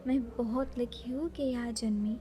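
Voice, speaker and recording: अभिनेत्री की आवाज़ में ऊँची आवाज़ वाली स्वप्निल युवती. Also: female voice, on the high side, steady tone, normal speed, warm tone, close to an everyday voice. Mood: dreamy, content. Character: chatty young woman librarian, easily flustered, secretly smitten. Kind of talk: audio romance drama monologue.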